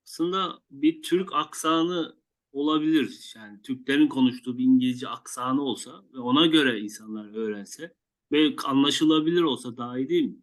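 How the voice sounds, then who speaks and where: A man in a relaxed talk, asking questions about learning English. His pitch is ordinary for a man, and he speaks calmly and plainly. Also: normal speed, low-quality recording. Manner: inquisitive, poses questions. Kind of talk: casual discussion.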